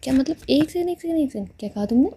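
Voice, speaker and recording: A woman's voice: sits high, expressive, very fast, warm tone. A woman voicing a drowsy, irritated young woman who complains about being woken at night. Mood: grumpy, sleepy.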